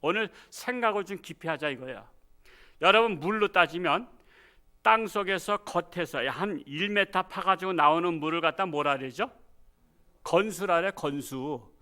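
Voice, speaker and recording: A man preaching a sermon in a church, with animated storytelling and frequent rhetorical questions to the congregation. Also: high voice, moderate pace. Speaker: pastor.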